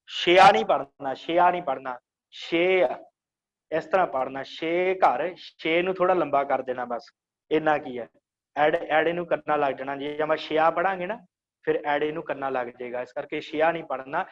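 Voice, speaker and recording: Male religious teacher, slightly high-pitched, slow explanatory delivery; muffled lo-fi audio. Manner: explains slowly, repeats phrases to teach pronunciation. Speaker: Sikh scripture teacher. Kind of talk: online religious class.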